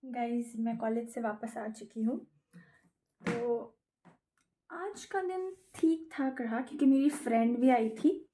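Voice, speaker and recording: Chatty young woman with a bright voice. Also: fairly high pitch, takes it slowly, slight background noise. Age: young adult. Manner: chatty and self-mocking, mixing in English words. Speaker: vlogger. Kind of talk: casual vlog chat.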